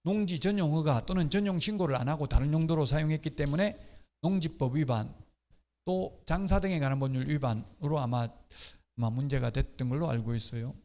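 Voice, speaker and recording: A man's voice: on the high side, a little fast, a little mellow. Man lecturing in an echoing hall. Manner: explanatory, with casual personal asides. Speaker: real estate law instructor. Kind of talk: exam-prep lecture. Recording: long hall reverb.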